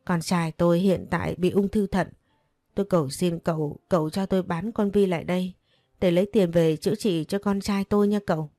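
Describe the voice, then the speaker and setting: A woman's voice: fairly low pitch, steady tone, a little fast, mellow, no room sound, soft background music, lightly acted. A woman voicing a desperate older mother who pleads tearfully in a story. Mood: pleading. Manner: begging, sobbing pleas.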